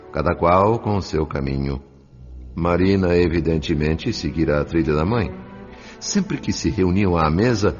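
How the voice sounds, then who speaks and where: A man giving scripted, dramatic narration for an audiobook radio drama. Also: low voice. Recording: dull audio over soft music.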